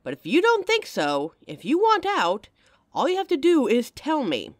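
A woman's voice: high voice, huge pitch swings, normal speed, no room sound, clean studio sound. A woman voicing a devoted, frank girlfriend. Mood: hurt, confronting. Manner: speaks straight to the listener, intimate and emotional. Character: devoted young adult girlfriend, caring and direct. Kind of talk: audio roleplay for a listener.

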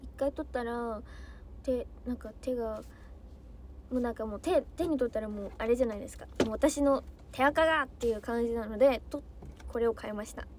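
A woman's voice: a little high, brisk, a little mellow, slight background noise. A young woman, an idol trainee, chatting casually on a livestream, bubbly and easily flustered as she answers comments.

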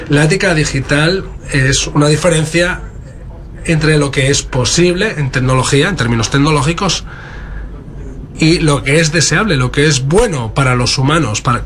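A man with a Spain Spanish accent, interpreting a keynote simultaneously from a booth in a halting, stop-start way. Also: on the high side, fairly bright tone.

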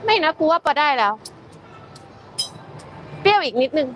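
A woman chiming in casually from off-mic during a home cocktail demo, with quick remarks. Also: high-pitched, very animated, a bit bright, a little hiss or hum.

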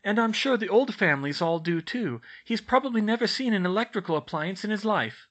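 A man voicing a clever young witch girl in a storybook, brisk, practical and reassuring. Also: high voice, expressive, a bit bright, voice pushed up. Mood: explaining.

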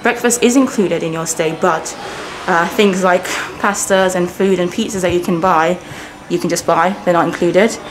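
A woman in her thirties whose first language is Persian chats brightly through a self-filmed hotel walkthrough, with her pitch jumping up now and then. The sound is handheld camera audio with clear background noise from the indoor lobby. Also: fairly even intonation, normal speed, few pauses. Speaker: travel vlogger. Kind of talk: casual walking hotel tour.

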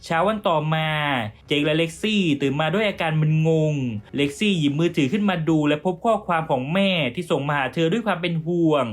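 A man's voice: a little high, fairly quick, hardly any pauses. A man giving a scripted narration that recaps a horror series episode by episode.

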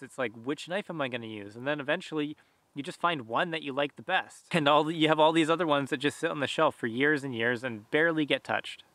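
A man in his thirties chats to camera in a forest with a bright, forceful voice. His talk is relaxed and loose, full of fillers, and the sound is dry and close. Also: fairly high pitch, dry recording. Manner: relaxed, conversational, lots of fillers. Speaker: bushcraft channel host. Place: outdoors in a forest. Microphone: camera at close range.

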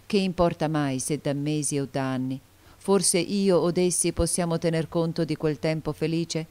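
Low, mellow-voiced woman narrating a novel. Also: clean tone. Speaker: audiobook narrator. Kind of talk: literary audiobook narration.

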